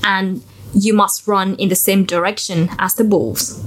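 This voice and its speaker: Over noticeable background noise, a woman with a Vietnamese accent speaks fairly slowly at a medium pitch. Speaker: podcast guest. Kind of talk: casual chat; educational explanation. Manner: hesitant.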